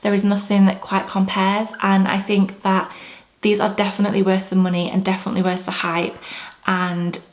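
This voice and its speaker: A woman's voice: medium pitch, completely flat delivery, moderate pace. A young woman vlogger reviewing makeup to camera in a chatty, gushing way, her voice a bit stuffy from a cold. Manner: chatty, gushing, rambling asides. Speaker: beauty vlogger. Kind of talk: casual product review to camera. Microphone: camera mic.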